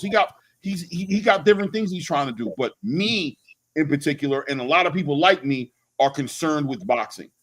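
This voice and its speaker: A man's voice: fairly high pitch, a bit bright. A man hosting a boxing channel, talking casually and emphatically in slang, often repeating words for emphasis. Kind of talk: animated casual sports talk and opinion.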